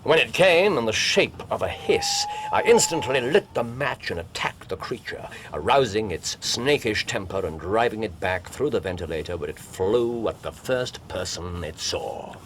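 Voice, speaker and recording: A cool, brilliant middle-aged detective from a radio play, laying out his deductions in a low voice. His delivery is measured and lecturing, and it rises and falls with plenty of life. A faint hiss sits under the voice. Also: animated, fairly bright tone, low-quality recording. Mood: explaining. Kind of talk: 1990s radio drama acting.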